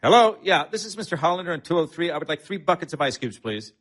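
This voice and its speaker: An actor playing a hot-tempered middle-aged husband on vacation, biting and sarcastic, flaring into shouting. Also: male voice, on the high side, big pitch swings, fast talker. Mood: exasperated. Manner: flares into shouting. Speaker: hotel guest on vacation. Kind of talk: comic film acting.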